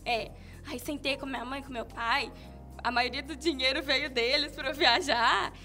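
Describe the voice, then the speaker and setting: Young mineira singer, high voice, chatty and lively, soft music under. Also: female voice, moderate pace. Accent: Mineiro Brazilian Portuguese. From Minas Gerais, Brazil. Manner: animated storytelling, quoting herself with laughs. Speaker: guest singer. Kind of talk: casual interview chat.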